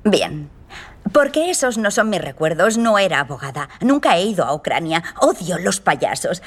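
A woman's voice: fairly low pitch, very animated, moderate pace. A woman dubbing a brash, foul-mouthed young woman in a dubbed TV comedy, blunt and sarcastic. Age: young adult. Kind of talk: Spanish TV comedy dub.

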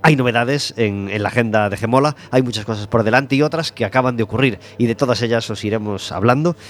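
A man hosting a casual radio interview, chatty and relaxed. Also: mid-range voice, fast. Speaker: radio host.

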